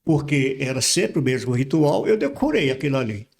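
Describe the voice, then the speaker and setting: A man's voice: mid-range voice, very animated, moderate pace, darkish tone. An older man from Brazil, a pastor, telling his life story in a casual interview and repeating words as he recalls things. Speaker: pastor, podcast guest.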